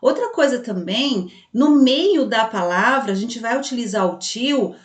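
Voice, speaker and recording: A woman teacher walks young pupils through spelling rules in an online lesson. She goes step by step, patiently asking the children's likely questions and answering them herself. Her voice sits a little high, and the room around her echoes. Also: expressive, measured pace. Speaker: primary school teacher. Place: room with a passing truck heard outside.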